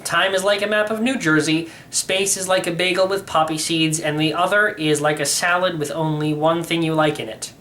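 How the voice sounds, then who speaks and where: A man's voice: fairly high pitch, steady tone, moderate pace, few pauses, pushed and bright, slight background noise. A man voicing an anxious, bewildered young boy in a storybook, fretful and full of questions. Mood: earnest. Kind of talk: storybook character reading.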